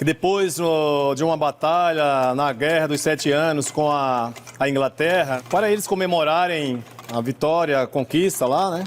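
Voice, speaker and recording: A man with a Pernambuco accent speaks at a fairly slow pace in a fairly high pitch, his loudness very even, with noticeable background noise. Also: ordinary pitch variation. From Brazil, Pernambuco. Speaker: chef. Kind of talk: cooking tutorial.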